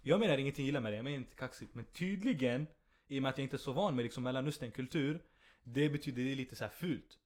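A young man hosting a podcast, telling stories in casual chat and laughing often. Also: mid-range voice. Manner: animated storyteller, laughs often. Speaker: podcast host.

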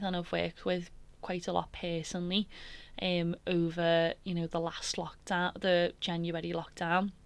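A woman's voice: fairly low pitch, fairly bright tone, dry recording. A woman hosting a podcast, telling her own story in a candid, emotional, rambling way with many fillers. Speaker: podcast host.

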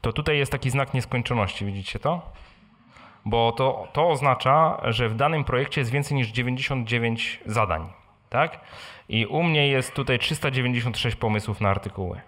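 A man's voice: mid-range voice, moderate pace, a bit bright. A man hosting a live question-and-answer session, speaking informally and conversationally, often tacking on short tag questions. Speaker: blogger and podcast host answering audience questions. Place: live meeting in a room with an audience.

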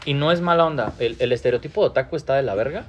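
A Mexican man in his thirties chats as a podcast guest. His voice sits at a middle pitch. He talks in an excited, slangy way and swears freely. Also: very fast, muffled recording, a little hiss or hum. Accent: Mexican Spanish. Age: 30s. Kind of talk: casual chat.

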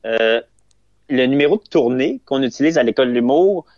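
A young man with a Québécois French accent, guesting as a comedian in a casual interview, talks in an animated, slightly mellow mid-range voice, fairly quick. He rambles, amuses himself, and uses lots of fillers and restarts; the lo-fi recording is a bit dull with no room sound.

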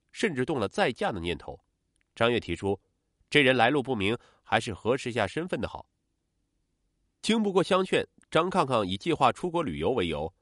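A man tells a true-crime case as scripted narration, his mid-range voice rising and falling with lively, dramatic intonation. He is recorded close on a studio mic with a dry, dead sound and no room around it. His delivery stays steady, like a regular host reading a long-running series. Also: medium pitch, no room sound.

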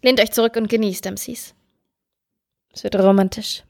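A woman's voice: mid-range voice, steady tone, moderate pace, vocal fry, darkish tone. A woman co-hosting a casual chat podcast, teasing her co-host and laughing easily. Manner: teasing, giggly.

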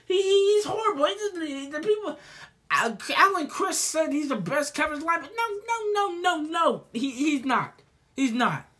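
A man's voice: extremely high pitch, big pitch swings, normal speed, pushed and bright. A man arguing in a heated sports debate, stammering and repeating himself, saying he is losing his voice.

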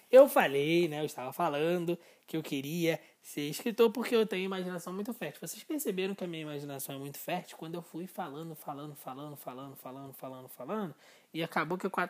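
A Brazilian man hosting a casual solo podcast, rambling and self-mocking, drifting off topic and restarting his sentences with repeated words. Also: sits high. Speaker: podcast host.

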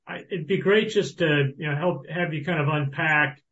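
Male analyst with a fairly high voice, asking casual but businesslike questions over dull call audio. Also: normal speed, fairly bright tone. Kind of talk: conversational earnings call question.

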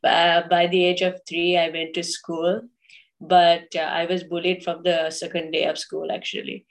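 A woman from Sri Lanka speaks as a guest on a podcast. Her voice sits low for a woman and barely moves in pitch. She hesitates often, filling gaps with ums and restarting her sentences. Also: level tone, normal speed, vocal fry. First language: English. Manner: hesitant, many fillers and restarts. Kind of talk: casual interview talk.

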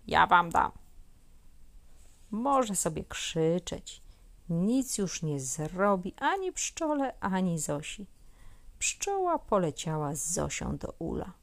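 A woman reading a children's story aloud as a storyteller, gentle and expressive, often dropping to a near whisper. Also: lowish voice, gravelly.

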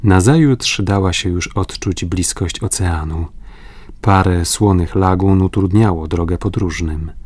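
A man reading a classic adventure novel aloud in measured, even audiobook narration. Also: sits low, no echo. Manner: measured, even storytelling with lifted voice for exclamations. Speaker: audiobook reader.

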